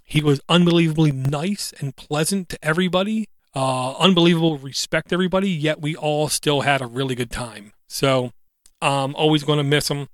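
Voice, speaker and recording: This is a man in his thirties talking alone into a podcast mic, earnest and reflective, with fillers between his thoughts. His voice sits slightly high for a man, and a mild speech impediment shows in an occasional stutter. The sound is dry and close, with no room around it. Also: a little fast, no room sound. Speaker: podcast host. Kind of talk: solo podcast monologue.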